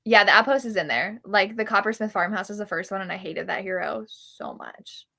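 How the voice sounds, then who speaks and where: A woman's voice: medium pitch, fairly quick, gravelly, bright, forceful tone. A woman hosting a live book chat, giving candid, opinionated reviews in a casual way. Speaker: book reviewer and livestream host. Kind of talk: casual chat about books on a live show.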